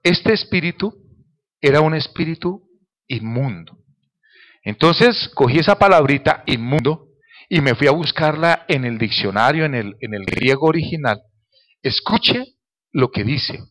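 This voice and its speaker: Male pastor, sermon delivery, slightly high voice, emphatic questioning style. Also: big pitch swings, a little slow, a bit bright. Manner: emphatic, with rhetorical question tags.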